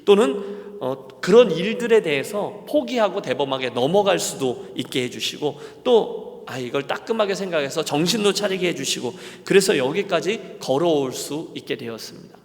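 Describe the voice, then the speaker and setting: A man's voice: on the high side, animated, normal speed. A middle-aged man preaching a sermon as senior pastor, earnestly addressing his congregation in a church sanctuary. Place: church sanctuary at a Friday service. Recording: long church hall reverb.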